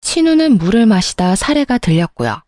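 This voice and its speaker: Woman narrator, 30s, scripted first-person story, mid pitch, dry booth sound. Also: very animated, brisk, dark tone, no room sound. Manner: confiding, emotional storytelling.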